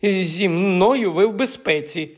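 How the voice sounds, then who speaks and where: A man's voice: fairly high pitch, sing-song, slow pace, husky, pitched above the performer's own voice, exaggerated voice. A man reading an audiobook, voicing a frightened young male apprentice with a trembling voice. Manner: trembling, hushed reassurance. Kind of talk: audiobook character voice.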